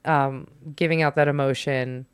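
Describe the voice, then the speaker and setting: Female podcast host, low smooth voice, dry close sound, brisk lead. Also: steady tone, no echo. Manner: brisk, leads the segment, laughs often. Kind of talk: casual chat.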